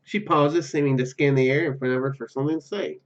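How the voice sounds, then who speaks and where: A man doing a let's play, reading story text aloud haltingly and dropping in casual asides. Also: medium pitch, steady tone, dull audio. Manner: halting, stumbles over read words. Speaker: gaming YouTuber.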